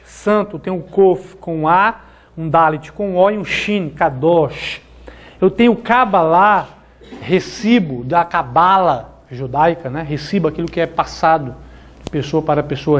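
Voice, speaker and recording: A man teaching a classroom lesson, who repeats each word and ends his phrases with "né?" and "tá?". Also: fairly high pitch. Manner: slow and deliberate, repeating words and ending with "né?" and "tá?". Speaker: Hebrew teacher. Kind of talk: classroom lecture.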